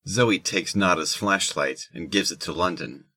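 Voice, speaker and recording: Deep-voiced, crisp-edged male narrator. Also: a little slow, sharp tone. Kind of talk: scripted audio drama narration.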